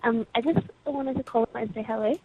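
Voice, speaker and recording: Aussie woman leaving a casual voicemail, really high voice, tinny phone sound. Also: fairly even intonation, fairly quick, husky. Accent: Australian. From Australia. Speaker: voicemail caller. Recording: narrowband voicemail phone line.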